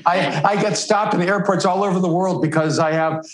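A man from El Salvador, his first language Spanish, answering as a podcast guest. He talks in a reflective, halting way with frequent restarts, his voice sitting a little high. The sound carries a roomy echo. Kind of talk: conversational interview.

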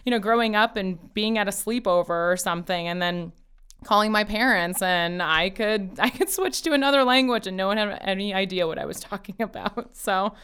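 A woman's voice: mid-range voice, brisk, a bit bright, clear, resonant tone. A woman whose first language is Farsi, a family lawyer talking casually as an interview guest, laughing easily and quoting her parents. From Colorado, USA.

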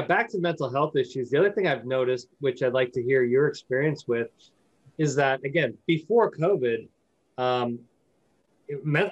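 A man's voice: mid-range voice, lo-fi sound. A man hosting a podcast interview, asking thoughtful questions in a conversational way. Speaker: podcast host.

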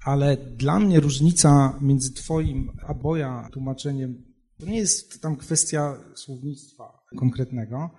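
A man who hosts a literary discussion, reading a prose passage aloud in a steady voice and then talking about it with some hesitation. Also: mid-range voice, unhurried, slightly rough.

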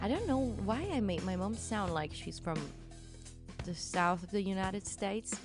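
A woman's voice: mid-range voice, a little slow, music in the background. A woman hosting a podcast, telling a scripted story in a conversational way and speaking directly to her listeners. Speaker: podcast host. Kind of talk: scripted storytelling narration with personal asides.

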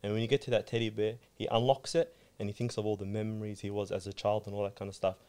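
Male guest in a relaxed chat, rattles off a story, low monotone, peppered with "you know what I mean". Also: smooth. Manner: rapid, flat delivery with frequent "you know what I mean". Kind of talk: casual chat.

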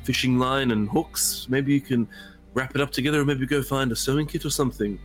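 A man's voice: medium pitch, fairly even intonation, brisk, faint music behind. A man chatting casually as a player in a tabletop role-playing game. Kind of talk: casual chat.

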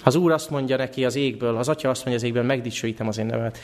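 A man preaching a sermon in a church, animated and putting questions to the congregation. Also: mid-range voice.

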